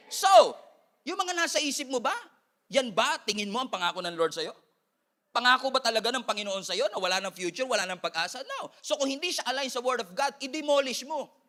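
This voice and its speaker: A man with a Filipino accent preaching an animated sermon as pastor, mixing in English and calling for amens. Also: very high-pitched.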